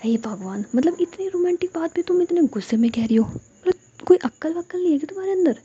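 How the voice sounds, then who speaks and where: A woman's voice: fairly high pitch, brisk, warm tone, husky, highs cut off. A woman voicing a playful young woman in love, with a dramatic, sulky way of talking.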